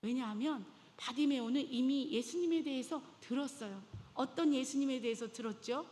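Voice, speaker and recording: A woman delivers a sermon with a high voice, retelling a Bible story with dramatic flair. Her speech rings with the long reverb of a church sanctuary. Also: normal speed, a little mellow. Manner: dramatic, acts out biblical voices. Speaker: preacher.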